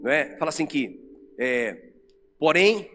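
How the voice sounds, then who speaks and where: A man with a Brazilian Portuguese accent preaching an animated sermon to a congregation in a church. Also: on the high side, a little slow. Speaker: pastor. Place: church sanctuary. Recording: long church reverb with music under.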